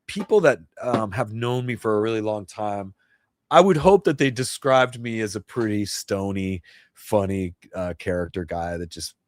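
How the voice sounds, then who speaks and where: A man's voice: low voice, dry recording, clean studio sound. Laid-back man in his fifties, rambling. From New Jersey. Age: 50s. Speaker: livestream host and guitarist. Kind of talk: casual livestream chat.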